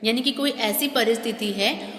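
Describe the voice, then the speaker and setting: A woman teacher explaining a grammar lesson to schoolchildren, slowly and deliberately, repeating definitions and speaking to the children directly. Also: fairly high pitch, fairly bright tone. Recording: echoey room with long reverb.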